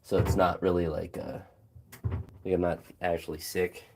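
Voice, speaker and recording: A young man, a phys ed teacher, chatting casually about his training with a hoarse, phlegmy throat and many fillers and pauses. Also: sits low, level tone, noisy background. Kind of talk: casual vlog chat while training.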